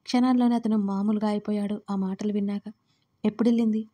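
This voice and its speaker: A woman's voice: fairly even intonation, fairly quick. A woman narrating a romance audio story, reading all the parts herself in a scripted storytelling style. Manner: reads every part herself, louder and higher in the characters' lines.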